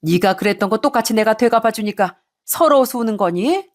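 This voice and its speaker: A woman's voice: on the high side, expressive, brisk, pitched above the performer's own voice, close to an everyday voice. A woman voicing an indignant Korean mother-in-law in her sixties who presses with reproachful questions.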